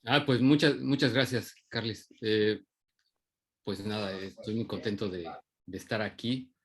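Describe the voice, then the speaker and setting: A Mexican man with a lowish voice speaks loosely and thinks aloud as he goes. He stumbles and restarts his phrases a lot. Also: fairly even intonation, a little slow, slightly rough. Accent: Mexican Spanish. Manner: hesitant, many restarts and fillers. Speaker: invited puppeteer speaker. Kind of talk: informal online talk.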